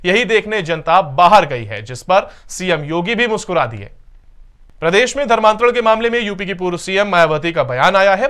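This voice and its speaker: A man's voice: sits high, fairly bright tone. A man reading scripted television news as an anchor, in a formal announcer delivery with emphatic stresses.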